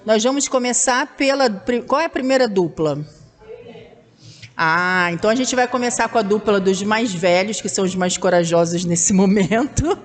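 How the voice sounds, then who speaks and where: Woman hosting a spiritist center event, calm and explanatory, reverberant hall. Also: mid-range voice, moderate pace. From Brazil. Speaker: event presenter. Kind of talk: public talk at a spiritist center. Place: meeting hall.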